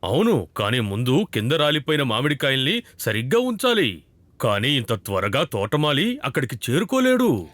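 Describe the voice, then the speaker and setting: A man playing a kindly, patient father in a children's cartoon, speaking in an instructive, deliberate way. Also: medium pitch, wildly swooping pitch, fairly bright tone, no echo. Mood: encouraging. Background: prominent music.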